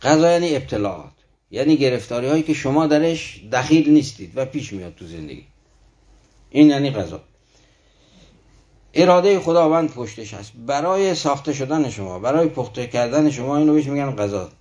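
An earnest man gives a spiritual lecture on poetry. He recites each verse in a slow, measured way, then turns to his listeners and explains it directly, his voice at an ordinary middle pitch. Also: lively intonation, mellow. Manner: earnest, speaks straight to the listeners.

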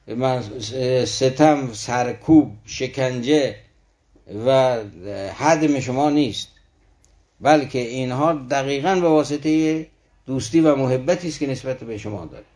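Male lecturer, mid-pitched, earnest; slow measured verse recitation followed by direct explanation. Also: darkish tone. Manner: earnest, speaks straight to the listeners. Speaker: lecturer on Rumi's poetry.

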